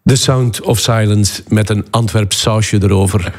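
A man with a Flemish accent hosting a studio interview, chatty and quick to laugh, asking leading questions. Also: fairly low pitch, fairly even intonation. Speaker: talk show host.

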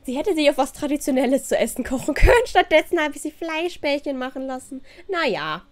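A woman's voice: sits high, big pitch swings, a little fast. A woman giving casual let's-play commentary, chatty and exasperated, dropping English words into her talk. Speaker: gaming YouTuber.

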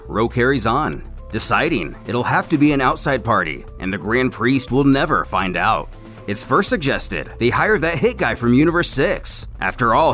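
Male narrator for a comic recap, animated mid-pitched delivery, scripted, light music underneath. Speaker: narrator recapping a fan manga. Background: background music.

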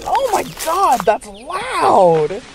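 A woman playing an excitable young daughter in a radio drama, exclaiming dramatically. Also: high-pitched, very slow, crowd noise, heavily acted. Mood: frightened. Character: excitable young daughter, frightened and awed in the woods.

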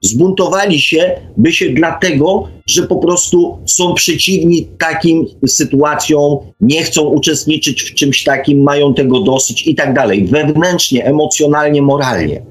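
Slightly high-voiced man explaining his view. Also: measured pace, low-quality recording. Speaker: talk show participant. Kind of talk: informal radio discussion.

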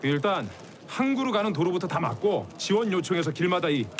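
A hot-tempered police chief in a crime drama. He barks bluntly in a high male voice with extremely animated pitch, over loud dramatic music. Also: brisk. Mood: irritated. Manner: blunt, cursing, barking.

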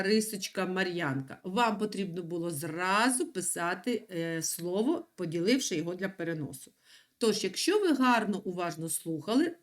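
A middle-aged woman teaching young pupils in a recorded lesson. Her voice rises and falls in a lively, sing-song way as she stresses each key word. She explains slowly and patiently, like a teacher at the front of a class. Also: medium pitch. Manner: clear, patient, emphatic teacher explaining to children. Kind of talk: recorded online school lesson.

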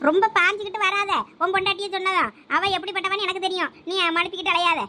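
A woman playing a defensive, sharp-tongued elder sister in a village comedy skit, speaking with a Thoothukudi Tamil accent and quick retorts. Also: very high voice, flat delivery. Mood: scolding.

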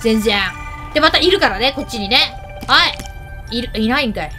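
A woman giving lively gameplay commentary, chatting to the game characters and to her viewers. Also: on the high side, moderate pace, over music. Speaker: game video host.

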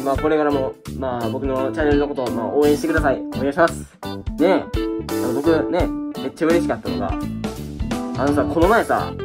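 A young man with a Kansai accent hosting a casual question-and-answer vlog, rambling with many fillers and restarts. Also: fairly high pitch. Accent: Kansai Japanese. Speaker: YouTube channel host.

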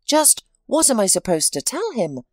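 A woman's voice: fairly high pitch, big pitch swings, normal speed, a little mellow, no echo, clean studio sound, pitched above the performer's own voice. A woman reading as a shaken, anxious wife. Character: shaken, ashamed betrayed wife.

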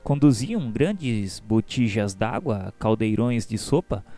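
A man narrating a radio novela from a script in a formal, measured, literary manner. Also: fairly low pitch, warm tone. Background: background music.

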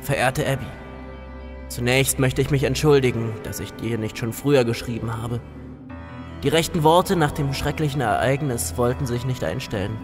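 A man playing a courteous, grave gentleman who reads out a letter formally in a horror audio drama. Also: mid-range voice, normal speed, over music, natural voice.

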